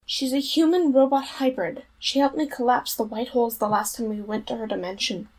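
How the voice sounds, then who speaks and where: Woman playing determined blunt hero girl, audio drama, voice a bit high. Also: steady tone, fairly quick, lightly acted, low-quality recording. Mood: matter-of-fact.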